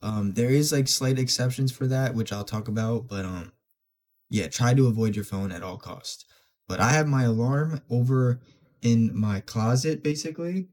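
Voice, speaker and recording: Young male podcast host, congested nose, mellow dark tone, loose filler-heavy delivery. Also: medium pitch, moderate pace. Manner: casual, many filler words and restarts. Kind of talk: solo self-improvement podcast talk.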